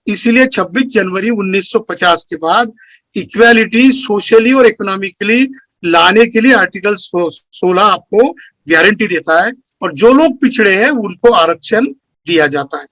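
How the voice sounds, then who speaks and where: Speaker, male, high voice, dry close sound; earnest, lecturing delivery, point by point. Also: animated, measured pace, fairly bright tone, dry recording, low-quality recording. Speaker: speaker at a community meeting. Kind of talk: formal speech.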